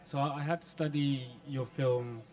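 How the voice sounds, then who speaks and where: A man's voice: mid-range voice, steady tone, moderate pace, a little mellow. A man from the audience asking a question hesitantly, with fillers.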